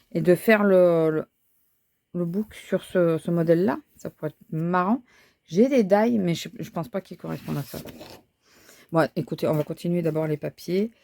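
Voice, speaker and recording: Lady crafting at her desk, lowish mellow voice, umms a lot while she thinks. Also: creaky, no room sound. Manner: thinking aloud, hesitant, many fillers and restarts. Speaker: crafting vlogger. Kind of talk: casual chat while crafting.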